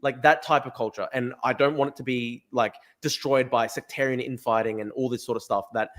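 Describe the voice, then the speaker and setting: An Australian man hosting a live-stream podcast, talking rapidly and emphatically with lots of fillers and restarts. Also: mid-range voice, fairly even intonation, fairly bright tone. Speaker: podcast host. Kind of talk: live stream chat, reading viewer comments.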